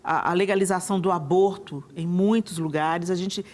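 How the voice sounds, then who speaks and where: A woman's voice: on the low side, steady tone, moderate pace, darkish tone. A woman hosting a TV talk show from a studio, speaking enthusiastically with frequent restarts and tag questions. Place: television studio.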